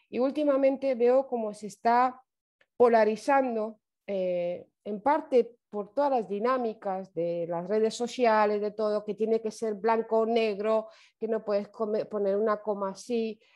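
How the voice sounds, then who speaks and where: With a Romanian accent, a woman talks in a fairly high voice with a dark, mellow tone and fairly even intonation against a quiet background. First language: Romanian (speaking Spanish). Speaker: activist, prostitution survivor. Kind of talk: webinar talk. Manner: halting, many fillers.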